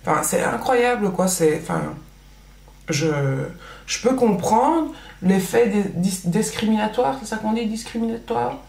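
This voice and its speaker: A woman's voice: fairly high pitch, measured pace, vocal fry, darkish tone. Chatty Belgian woman in an echoey room. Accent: Belgian French. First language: Dutch. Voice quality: chatty, many fillers and restarts. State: pregnant. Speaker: vlogger. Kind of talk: casual chat while doing makeup.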